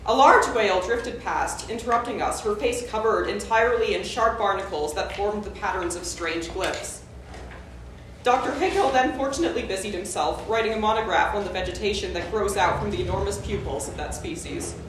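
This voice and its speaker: A woman giving a measured, lyrical reading of surreal fiction to a live audience at an art gallery. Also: medium pitch, slight background noise. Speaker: reader at a live art event. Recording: very echoey live gallery recording.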